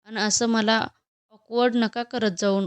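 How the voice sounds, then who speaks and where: A nervous young woman employee who stammers and hesitates, as a woman narrator voices her in a storybook. Her voice is smooth and fairly high, recorded close and dry. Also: level tone, unhurried, no echo, lightly acted. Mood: flustered.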